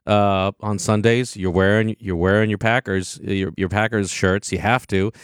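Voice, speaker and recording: A deep-voiced man speaks as a guest in a radio studio. He is eager and rushes ahead, repeating and restarting his phrases. The sound is close and dry. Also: steady tone, clear, resonant tone, dry recording. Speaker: actor guest. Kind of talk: radio interview conversation.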